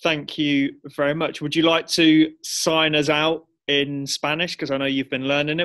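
A man speaks at a moderate pace in a bright, sharp, playful tone over a quiet background. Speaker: school podcast host, teacher. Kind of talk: casual interview. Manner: jokey, playful. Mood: friendly, upbeat. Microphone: webcam.

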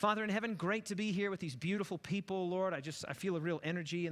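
With an animated tone and a high pitch, a man speaks at a very fast pace. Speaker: preacher. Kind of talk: sermon. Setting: stage with audience. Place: hall. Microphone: headset.

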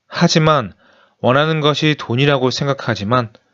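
At a fairly slow pace, a man speaks in a calm tone. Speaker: wealth consultant and video creator. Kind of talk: reading aloud a passage, then personal commentary. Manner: calm, measured, formal; halting, with fillers like 어 and 음 in commentary.

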